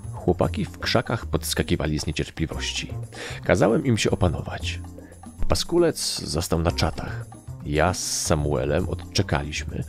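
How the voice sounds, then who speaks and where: A man with a Polish accent narrating a first-person audiobook story, lively, and raising his voice for the characters' dialogue. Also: extremely low pitch, vocal fry. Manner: animated, voicing characters with raised shouts.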